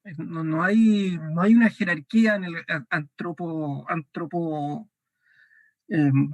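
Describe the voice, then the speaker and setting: Chileno de voz aguda y seca. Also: male voice, on the high side, steady tone, slow pace, no echo. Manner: thoughtful, with frequent filler words. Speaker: interview host. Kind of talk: conversational interview.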